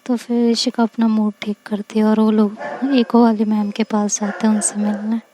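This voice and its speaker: A woman's voice: mid-range voice, moderate pace, slight background noise. A woman with an Indian accent narrating a romantic story in a casual, chatty way and voicing the dialogue herself. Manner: chatty, colloquial retelling with lively quoted dialogue.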